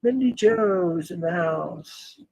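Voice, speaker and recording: High-voiced man in his forties, dry. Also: lively intonation, takes it slowly, vocal fry, darkish tone, breathy edge, no echo. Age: 40s. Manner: rambling, laughs often, talks to chat by name. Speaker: livestream host. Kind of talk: casual livestream chat reading comments.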